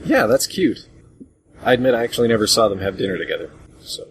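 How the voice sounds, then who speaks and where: Low-voiced male podcast host, noisy recording. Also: quick pace, vocal fry. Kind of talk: casual panel discussion. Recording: hobby podcast with furnace hum. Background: noisy furnace hum.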